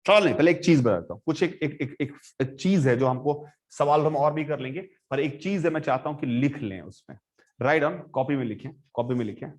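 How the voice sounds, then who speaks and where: A man lecturing a physics class, switching between quiet and loud talk as he works problems and speaks to his students. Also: mid-range voice, a little fast. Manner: animated, swings between soft and loud, addresses students directly. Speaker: physics teacher.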